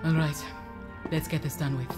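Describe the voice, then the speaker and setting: A woman's voice: deep voice, steady tone, normal speed, over music, natural voice. A woman playing a proud, guarded captain of a rival warship in a science fiction audio drama, speaking stiffly and formally. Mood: curtly cooperative. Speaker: ship captain.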